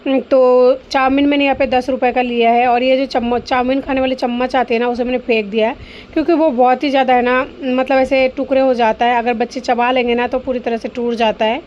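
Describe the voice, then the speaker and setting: A woman chatting casually in a home vlog and gently coaxing her child at home, with frequent tag questions. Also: high voice, level tone, a little fast, lo-fi sound. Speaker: vlogger and mother. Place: home kitchen and rooms.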